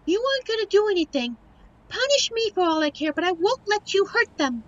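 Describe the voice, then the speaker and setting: Audio roleplay heroine: young succubus daughter, played by a woman, piping high voice, pleading yet defiant, muffled lo-fi sound. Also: very animated, brisk. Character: sweet, defiant young succubus daughter protecting her lover. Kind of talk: scripted audio roleplay acting.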